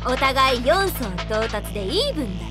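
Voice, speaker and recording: Game role: showy, challenging teen rival, bright high pitch over loud score. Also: female voice, very animated, moderate pace. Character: cocky competitive teen girl rival squad leader. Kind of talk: game voice acting. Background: game music.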